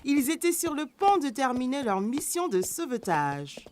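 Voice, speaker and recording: A woman's voice: high voice, sing-song, unhurried, darkish tone. A woman narrator reading a scripted French children's cartoon story, with music behind her.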